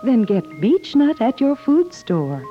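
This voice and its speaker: Slow, lilting woman in vintage commercial. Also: high voice, big pitch swings. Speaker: advertising announcer. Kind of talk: rhymed 1950s radio commercial. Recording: dull 1950s radio recording. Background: jingle music with chimes.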